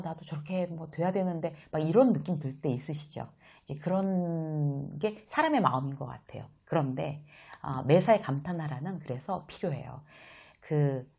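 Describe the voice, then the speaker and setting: A middle-aged woman giving a casual lecture on life and work, lively and exclamatory, acting out what people say. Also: low-pitched, gravelly, breathy edge. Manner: lively, exclamatory, acts out quoted dialogue.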